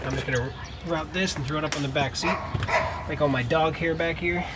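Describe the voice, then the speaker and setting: A man giving a casual, hands-on how-to in an informal, folksy way, talking as he works. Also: medium pitch. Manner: informal, folksy, talks while working. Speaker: DIY car tutorial presenter. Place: garage, working around a vehicle. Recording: clearly noisy garage camera recording.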